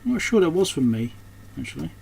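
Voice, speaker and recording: Man thinking aloud, clearly noisy recording. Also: fairly high pitch, very animated, fast, a little mellow. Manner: unscripted, thinking aloud while working. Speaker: host of an electronics repair channel. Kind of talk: casual hands-on repair commentary.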